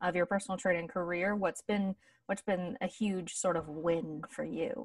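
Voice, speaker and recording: An unremarkable speaking voice from a woman, medium in pitch, with ordinary pitch variation and a moderate pace. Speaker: podcast host and marketing director. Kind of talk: casual interview.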